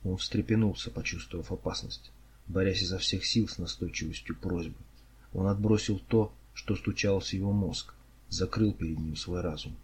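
A man narrating an audiobook in a steady, dramatic reading style. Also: deep voice, moderate pace, slightly rough. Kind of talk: scripted narration.

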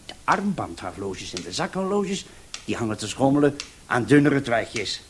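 An actor playing a naive young petty thief who rambles earnestly through a fanciful story in a Dutch radio play. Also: male voice, medium pitch, big pitch swings, normal speed, close to an everyday voice. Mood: wondering. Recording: hissy old radio play recording with clicks.

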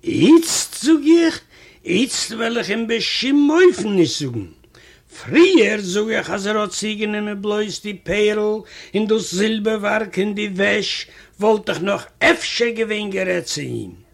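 A man's voice: high-pitched, expressive, measured pace, creaky. A man reading a comic first-person story aloud in a chatty manner, retelling a quarrel and repeating "I say" again and again.

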